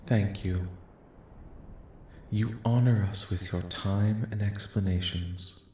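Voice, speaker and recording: A man playing a calm, benevolent alien envoy in a soft-spoken ASMR roleplay, speaking formally and solemnly in a measured, soothing way. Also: fairly low pitch, natural voice. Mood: calm, gracious. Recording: echoing, reverberant voice track.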